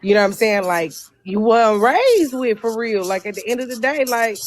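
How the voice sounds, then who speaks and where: A woman's voice: fairly high pitch, lively intonation, moderate pace, dry recording. A woman with an African American English accent talks on a live panel. She is blunt and impassioned, stressing her points by repeating phrases in casual speech. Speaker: panel speaker.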